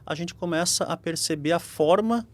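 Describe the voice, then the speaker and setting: Man, Brazilian Portuguese accent, interview guest, somewhat high voice, measured, reflective. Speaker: guest lawyer. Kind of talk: conversational interview.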